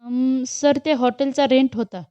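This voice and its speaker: A polite young female employee, voiced by a woman narrator answers her boss formally and holds her ground with care. Her voice is fairly high, and the recording is dry and a little muffled. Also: fairly even intonation, a little slow, dark tone, no echo. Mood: polite, firm. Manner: polite, formal, addressing him as sir.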